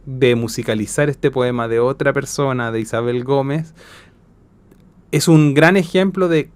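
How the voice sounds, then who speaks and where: A man's voice: mid-range voice, unhurried, clean tone, no echo. A man with a Chilean accent, a guest musician explaining his thoughts conversationally in a radio interview.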